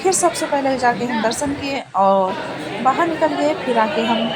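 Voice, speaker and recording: A woman's voice: high-pitched, expressive, a little slow, over a noisy crowd, poor audio. A woman narrating a casual travel vlog about her family trip, chatty and rambling, often repeating herself.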